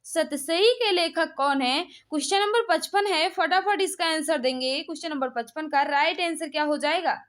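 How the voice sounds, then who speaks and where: Female online exam-prep teacher, high voice; brisk quizmaster delivery with repetitive prompts. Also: fairly bright tone. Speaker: online exam-prep teacher running a live quiz class. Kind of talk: live quiz lesson, reading questions and confirming answers.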